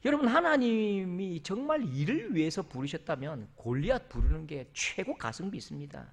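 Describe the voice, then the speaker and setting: A man from South Korea preaching a sermon in a church, animated and playful, often acting out the voices of people he describes. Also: moderate pace. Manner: animated, acts out quoted voices with big pitch jumps. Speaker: pastor. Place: church sanctuary.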